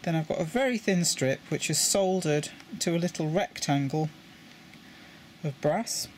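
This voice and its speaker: Speaking a little slowly in a slightly high voice, a British man with a British English accent walks through his coach lighting work in a casual tutorial. He sits indoors at a table with a model railway, often repeating words while handling the parts. There is slight background noise.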